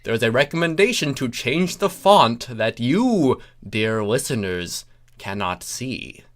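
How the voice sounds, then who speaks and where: A man's voice: mid-range voice, big pitch swings. A man reading comic fiction aloud as narrator, theatrical and mock-grave in his delivery. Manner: mock-grave, dramatic, deliberate.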